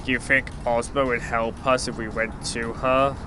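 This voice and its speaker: A man's voice: medium pitch, level tone, moderate pace, natural voice. A man playing a grumpy, sarcastic birdman hero in an audio drama, with a dry, impatient manner. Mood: brisk, impatient. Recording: noisy amateur audio recording.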